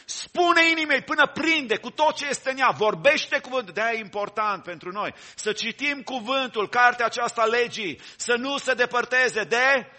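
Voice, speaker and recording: High, bright-voiced fervent male preacher. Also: hardly any pauses. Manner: fervent, exhorting, with repeated refrains and call-and-response. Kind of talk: sermon.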